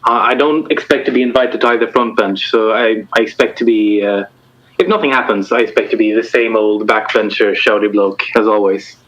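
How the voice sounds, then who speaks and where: A man's voice: fairly low pitch, fairly quick, a bit bright. A man guesting as an election candidate, answering plainly and in an understated way. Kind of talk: casual interview. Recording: dull lo-fi mic.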